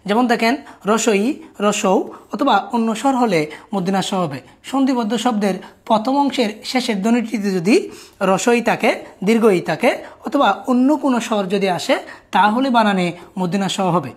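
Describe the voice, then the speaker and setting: A woman teaching a spelling lesson in a recorded class. She explains each rule patiently and keeps asking listeners to look closely at each word. Her pitch sits in a middle range for a woman. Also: normal speed.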